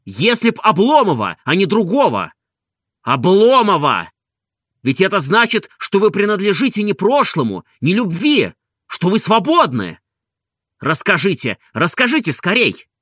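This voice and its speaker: A man's voice: fairly high pitch, very animated, measured pace, pushed and bright, no room sound, studio quality, exaggerated voice. A reader voicing an earnest, shaken man who presses his questions insistently. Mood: eager. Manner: insistent, urgent.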